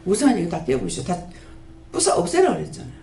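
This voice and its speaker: A woman pastor, preaching a sermon and scolding with rapid-fire rhetorical questions. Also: lowish voice, wildly swooping pitch, creaky, dark tone. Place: prayer house church. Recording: echoey church hall, faint background noise.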